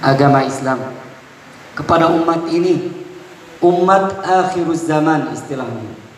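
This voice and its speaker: Amid noticeable background noise and audible room echo, a man speaks very slowly in a fairly high pitch. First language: not Indonesian (speaking Indonesian). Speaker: speaker giving a welcome address at a reunion. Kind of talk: formal speech with religious opening. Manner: formal; halting.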